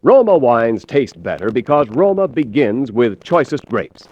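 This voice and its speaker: A man reading a sponsor's wine commercial in a smooth, persuasive 1940s radio style. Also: medium pitch, sing-song, measured pace, darkish tone, no echo. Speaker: sponsor announcer. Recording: dull, dry old radio broadcast.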